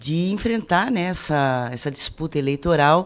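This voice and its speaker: With an ordinary speaking voice, a woman talks at a fairly slow pace. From southern Brazil, Blumenau, Santa Catarina. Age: 60s. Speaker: mayoral candidate. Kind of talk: radio interview. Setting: radio studio.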